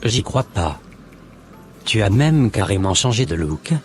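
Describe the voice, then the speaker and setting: A man's voice: fairly low pitch, very animated, a little slow, soft background music. A man playing an earnest, solemn born-again Christian with a preachy, formal manner in an amateur cartoon. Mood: solemn, admonishing.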